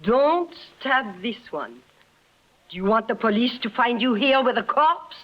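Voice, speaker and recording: A woman's voice: a little high, lively intonation, measured pace, muffled recording. An actress playing a weary, bitter woman caught up with a criminal gang, speaking reproachfully. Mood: pleading. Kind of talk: 1950s radio drama acting.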